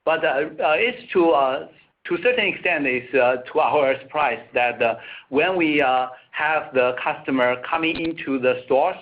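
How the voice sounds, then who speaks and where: A man, a native Chinese speaker, answering as a company executive on an earnings call, halting and repeating words. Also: fairly high pitch. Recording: tinny narrowband phone line.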